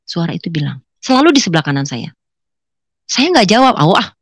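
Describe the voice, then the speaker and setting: Woman giving a lively church testimony. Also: on the low side, fairly quick, no room sound, studio quality. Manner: lively storytelling, often addressing listeners as brothers and sisters; acts out quoted dialogue in colloquial slang. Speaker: testimony speaker. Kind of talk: personal testimony to a congregation.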